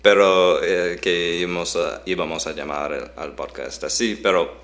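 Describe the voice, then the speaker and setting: A man's voice: low-pitched, steady tone, normal speed, a bit bright. A young man whose first language is English, speaking Spanish hesitantly with many restarts and fillers while co-hosting a podcast. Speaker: podcast co-host. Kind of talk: casual chat. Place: Boston.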